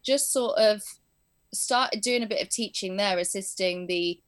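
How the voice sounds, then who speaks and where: A woman's voice: medium pitch, measured pace. A young woman with an English accent, a guest chatting casually about her work as a performing arts teacher and editor, with fillers and easy laughs. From born in England, raised in southern Spain. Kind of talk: casual interview chat.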